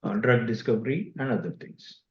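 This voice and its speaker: A company executive with an Indian accent answers investors on a conference call in a mid-range voice. He speaks haltingly, pausing mid-sentence. The call audio sounds dull and echoey.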